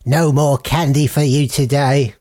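A man voicing a foolish woman park visitor who dotes on a bear, in a drawn-out falsetto. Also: fairly even intonation, mellow, natural voice. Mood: bossy. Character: doting silly woman bear-feeder, scornful.

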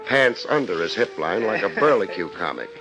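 An actor playing a wry, laid-back American private detective in a 1950s radio drama, dry and unhurried. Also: male voice, sits low, animated, over music. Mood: wry, amused. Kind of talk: 1950s radio drama acting with first-person narration. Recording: muffled old 1950s radio broadcast.

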